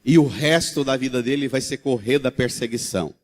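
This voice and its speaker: A man, a priest, preaching a sermon in a church and telling stories in an animated, colloquial way. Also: medium pitch, fairly quick. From Brazil. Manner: storytelling, animated, with colloquial asides. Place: large church. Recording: long hall reverb.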